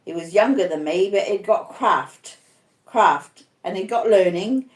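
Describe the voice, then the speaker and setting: A woman's voice: mid-range voice, animated, measured pace, lightly acted. Woman reading as a plain-spoken old convict, echoey. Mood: grim, reflective. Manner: rustic uneducated speech, confiding, plain-spoken. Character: rough old convict recounting his criminal past. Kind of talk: audiobook first-person narration.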